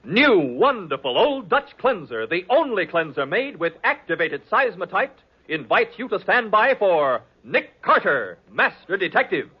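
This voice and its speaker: A man's voice: high-pitched, very animated, a little slow, husky. An American man announcing and narrating in an emphatic 1940s radio style. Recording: dull, muffled 1940s radio recording.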